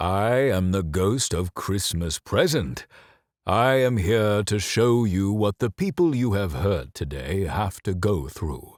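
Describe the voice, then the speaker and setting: A man puts on a booming character voice with a fairly low pitch. He goes at a fairly slow pace in a very clean recording with a silent background. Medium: read story. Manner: bellowing.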